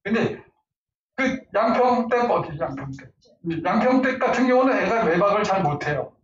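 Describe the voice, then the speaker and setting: A man in his fifties giving a lively parenting lecture, laughing often and acting out angry outbursts as examples. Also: high voice, moderate pace. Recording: far-off roomy lo-fi lecture recording with faint noise.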